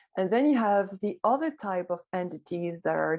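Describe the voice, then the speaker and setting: Spoken with a French accent, the voice has a dark, mellow tone. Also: woman. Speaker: shaman and medium. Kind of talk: interview.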